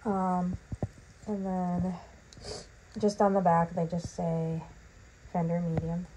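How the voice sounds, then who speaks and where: Chatty woman, low mellow voice. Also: little pitch movement, takes it slowly, a little hiss or hum, poor audio. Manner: chatty, rambling with many ums. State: recovering from lost voice. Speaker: vlogger. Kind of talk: casual unboxing narration. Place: bathroom at home.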